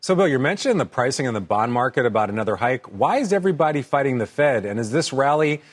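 A man's voice: mid-range voice, very animated, quick pace. A man anchoring a financial news broadcast, presenting to viewers and putting questions to guests.

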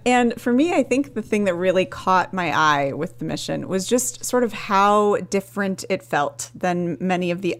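Female reporter guest, smooth, low-ish voice, hesitant and chatty. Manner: hesitant, many fillers and restarts. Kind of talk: radio interview.

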